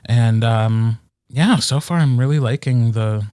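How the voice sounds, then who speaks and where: An easygoing middle-aged man co-hosting a podcast at a middle pitch. He talks in a wry, relaxed way, with plenty of ums. The recording is close and dry. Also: unhurried, clear, resonant tone, no echo. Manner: easygoing, wry, lots of fillers. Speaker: podcast co-host, audiobook narrator. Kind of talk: casual chat.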